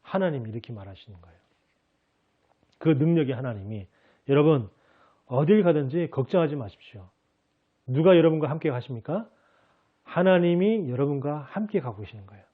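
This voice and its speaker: A man's voice: fairly high pitch, animated, fairly quick, long pauses, husky. Preacher man with a tinny sound. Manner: earnest preaching, acts out God's words in a raised voice. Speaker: pastor. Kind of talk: sermon. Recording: phone-like narrow sound.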